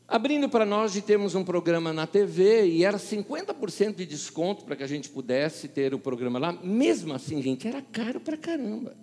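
With a high, slightly rough voice carrying through a big room, a male pastor from São Paulo preaches in Paulistano Brazilian Portuguese. His sermon is storytelling, full of acted-out dialogue and lively shifts.

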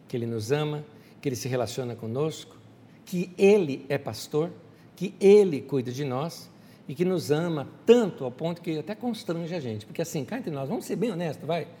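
A male pastor delivers a lively sermon, his fairly high voice rising and falling in wide swings. He speaks directly and familiarly to his listeners. A long reverb trails behind every phrase. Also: slight background noise. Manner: animated preaching, talks straight to the listener.

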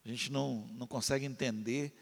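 A man preaching a sermon as a pastor, swinging between loud impassioned pleas and low quiet asides. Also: steady tone, brisk, vocal fry, long reverb tail.

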